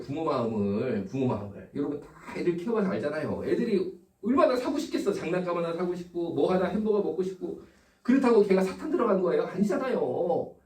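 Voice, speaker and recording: Animated male pastor preaching in an echoey hall. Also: sits high. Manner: animated storytelling, rhetorical questions to the congregation. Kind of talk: sermon. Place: church hall. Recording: echoey room, distant from the mic.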